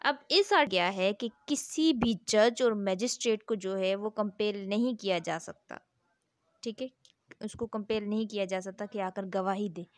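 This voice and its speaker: A woman's voice: mid-range voice, normal speed, no room sound. A woman with a South Asian accent giving an explanatory law lesson, reading formal text aloud and rephrasing key points in a didactic way. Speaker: law lecturer.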